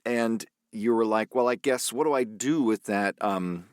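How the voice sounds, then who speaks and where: Low-voiced man hosting a podcast. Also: unhurried, darkish tone, clear, resonant tone, no room sound, studio quality. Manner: reflective, restarts phrases often. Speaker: podcast host. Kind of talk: casual interview chat.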